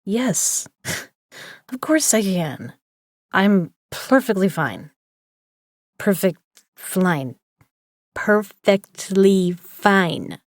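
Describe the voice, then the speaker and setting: A woman's voice: mid-range voice, expressive, very slow, pauses often, no echo, clean studio sound. A woman acting in an audio drama as a stubborn poker player who is drugged and woozy, with a drowsy, loopy delivery.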